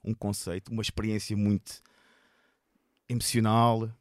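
A man's voice: on the low side, flat delivery, moderate pace, no room sound, clean studio sound. A man with a European Portuguese accent who stutters. He repeats and blocks on words while animatedly telling stories about his stand-up shows in an interview. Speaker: stand-up comedian guest. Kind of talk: casual storytelling in an interview.

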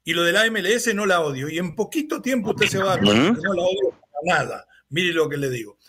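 A male sports radio host with a Uruguayan accent. His voice sits high for a man and has a bright, forward edge. He talks casually, in a familiar, conversational way. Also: animated, fast, a little hiss or hum.

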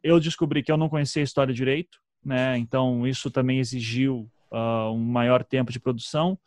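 The halting, thoughtful guest on a storytelling podcast, a man from southern Brazil with a Paraná accent, recorded close in a dry space. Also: mid-range voice, steady tone, darkish tone, no echo. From Curitiba, southern Brazil. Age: 30s. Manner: halting, self-interrupting, frequent "né" tags. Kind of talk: conversational interview, reflective storytelling.

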